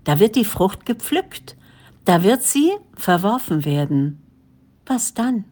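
A woman's voice: mid-range voice, big pitch swings, slow pace, mellow. A woman reading the part of an earnest male prophet who speaks in a solemn, preaching way. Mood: warning.

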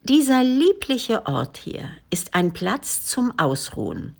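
A woman reading as a gentle, teasing spirit guide, Kushna. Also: fairly high pitch, very animated, takes it slowly, vocal fry, pitched above the performer's own voice, exaggerated voice. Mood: gently amused. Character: kindly, humorous ageless male spirit guide. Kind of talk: audiobook reading.

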